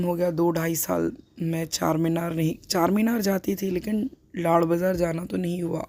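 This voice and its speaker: Heard on a very clean recording with a silent background, a woman speaks at a fairly low pitch in a dark, mellow tone. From India, Hyderabad. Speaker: vlogger. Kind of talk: vlog narration.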